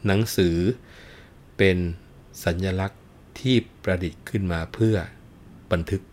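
Deep-voiced unhurried male storyteller. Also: fairly even intonation, darkish tone, a little hiss or hum. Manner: unhurried, addresses listeners, frequent polite particles. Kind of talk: explanatory storytelling talk.

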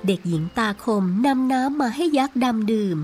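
High, lilting woman storyteller over faint music. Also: lively intonation, brisk, darkish tone. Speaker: storyteller, narrator. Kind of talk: scripted children's story narration.

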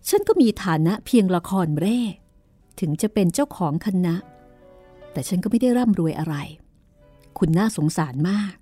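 A woman voicing a travelling-troupe owner who tells fortunes, speaking slowly and sympathetically. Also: mid-range voice, animated, warm tone, soft background music, lightly acted. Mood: gentle.

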